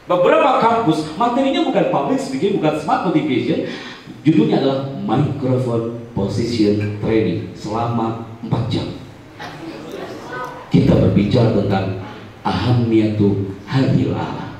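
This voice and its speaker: A man's voice: medium pitch, animated, a little slow, pauses often, a little mellow, a little hiss or hum. A man telling a dramatic personal story as a motivational seminar speaker. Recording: echoey hall, distant mic.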